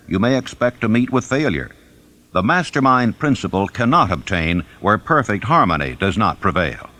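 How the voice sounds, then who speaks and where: A man reading a scripted self-help audiobook in a measured, instructive and emphatic manner. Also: lowish voice, fairly bright tone. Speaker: audiobook narrator.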